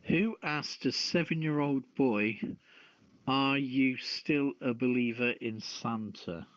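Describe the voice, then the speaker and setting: Slow-paced man hosting, dull sound. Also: medium pitch, no room sound. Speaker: show host and quizmaster. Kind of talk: casual radio quiz chat. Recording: dry, dull lo-fi stream audio.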